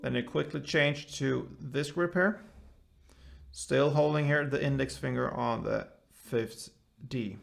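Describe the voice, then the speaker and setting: A man giving an informal step-by-step guitar lesson in short, halting phrases as the host. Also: mid-range voice, gravelly. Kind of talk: step-by-step instrumental tutorial. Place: indoors, small room, seated with guitar. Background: acoustic guitar playing.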